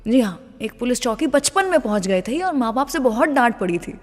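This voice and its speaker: A woman's voice: fairly high pitch, brisk, long reverb tail. Chatty woman radio host. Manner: lively storytelling, teasing what comes next.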